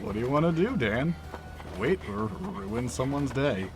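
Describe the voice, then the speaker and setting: A cheeky male train conductor in an audio drama. His mid-pitched voice moves up and down in a lively way, unhurried and teasing. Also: background noise. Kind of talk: naturalistic audio drama acting.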